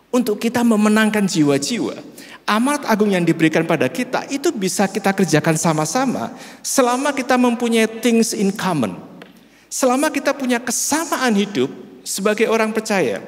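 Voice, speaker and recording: A middle-aged male pastor with a Central Javanese accent preaches in a slow, measured way and keeps addressing his listeners directly. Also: high voice. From Central Java, Indonesia. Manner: slow, measured delivery, often calls listeners "brother". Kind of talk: sermon. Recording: reverberant church hall.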